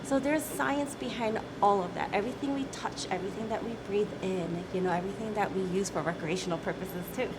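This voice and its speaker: A woman's voice: mid-range voice, brisk, hardly any pauses. Woman ceo chatting in an interview, laughs a lot, keeps saying right?, noisy room hum. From South Korea. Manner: chatty, laughs easily, says "right?" often. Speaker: company CEO, interview guest. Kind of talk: casual interview talk.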